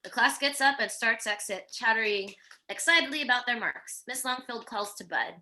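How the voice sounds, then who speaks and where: A woman's voice: on the high side, expressive, normal speed, pushed and bright. A woman narrating the stage directions of a screenplay at a table read.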